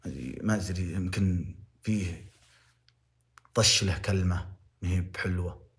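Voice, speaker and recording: A man's voice: deep voice, moderate pace. A young man with a Saudi accent giving impassioned, moralizing livestream commentary, repeating phrases to press his point. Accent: Saudi Arabic.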